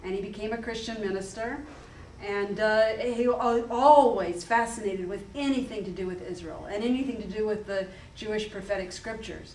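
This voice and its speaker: A woman with an American accent speaks at a fairly quick pace in a fairly high pitch, with audible room echo and noticeable background noise. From United States. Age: 60s. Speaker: charity executive. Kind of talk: interview.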